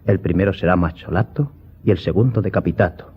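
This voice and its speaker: An actor playing a polite, inquisitive young gentleman with a husky voice in an audio drama. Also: low-pitched, a little fast, narrow, tinny audio. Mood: solemn reading. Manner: polite, formal. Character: courteous, inquisitive young gentleman traveller of noble manners. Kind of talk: Spanish audio drama acting.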